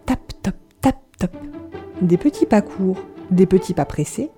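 A woman reading a children's story aloud, slow and expressive, savoring each word. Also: medium pitch, over music.

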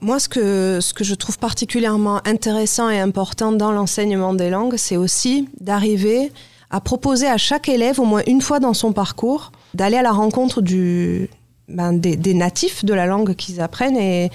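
A woman's voice: medium pitch, moderate pace, darkish tone, no room sound, studio quality. A woman from Germany who teaches German, answering interview questions thoughtfully and searching for words. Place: high school.

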